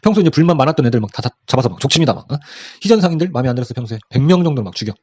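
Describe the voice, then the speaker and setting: A man rattles through a history lesson at a very fast clip and keeps a breezy, chatty tone. His voice is dark and a little husky. The recording is dry and muffled, with a lo-fi sound. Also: mid-range voice, animated, no room sound. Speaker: history lecturer. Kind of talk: casual exam-prep history lecture.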